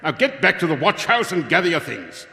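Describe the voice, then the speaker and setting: A man's voice: on the high side, wildly swooping pitch, brisk, vocal fry, pushed and bright, exaggerated voice. A man playing an officious, angry palace secretary in a live radio play, curt and imperious. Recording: echoey live stage hall.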